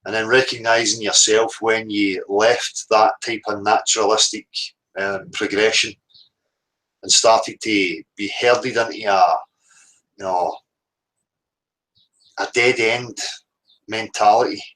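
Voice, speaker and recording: Northern Irish man, slow musing host. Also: on the low side, fairly even intonation, a bit bright, poor audio. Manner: rambling and reflective, with casual swearing. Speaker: live-stream host. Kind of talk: casual live-stream monologue.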